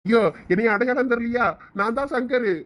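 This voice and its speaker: A man's voice: extremely high pitch, steady tone, brisk, very noisy. A man voicing a young village man with a swollen face, whining in pain, with a Thoothukudi Tamil accent. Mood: polite, flustered. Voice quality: whiny, groaning. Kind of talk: cartoon voice acting. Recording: dull lo-fi audio.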